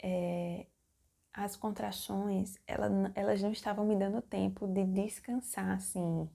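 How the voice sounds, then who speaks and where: A young woman vlogger telling the story of her childbirth in a casual, halting, heartfelt way, acting out what she said at the time. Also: medium pitch, steady tone, gravelly, mellow. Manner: halting and heartfelt, acts out her own remembered lines. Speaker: mom vlogger. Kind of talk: personal birth story, casual narration.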